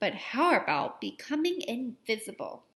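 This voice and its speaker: In a put-on character voice, a woman uses a gentle tone and very wide pitch swings. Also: high pitch for a woman, moderate pace. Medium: read story. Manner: gentle, instructive.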